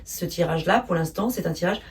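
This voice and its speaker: A woman giving a spontaneous tarot reading, speaking calmly and gently, hesitating often with fillers. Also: on the low side, fast talker, distant mic, background noise. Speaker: tarot reader.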